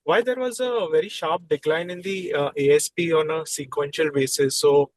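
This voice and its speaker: A man's voice: on the high side, normal speed. A man working as a financial analyst, asking an executive questions on an earnings call in a polite, hesitant way.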